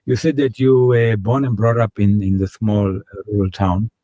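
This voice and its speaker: Mellow male interviewer, measured questions. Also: lowish voice, level tone, dry recording. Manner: measured, inquiring. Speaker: co-host.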